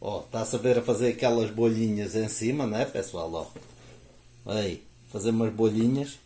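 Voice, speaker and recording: A man's voice: lowish voice, measured pace, mellow. Chatty Portuguese man demonstrating, echoey room. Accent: European Portuguese. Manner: chatty, explains at length, frequent "né?" and "ó". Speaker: DIY video host. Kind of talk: casual how-to demonstration.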